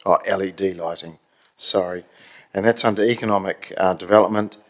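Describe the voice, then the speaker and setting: A very low-voiced man with a New Zealand accent chairs a council meeting in a council chamber. He moves through agenda items briskly and procedurally, with the odd dry aside. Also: fairly even intonation.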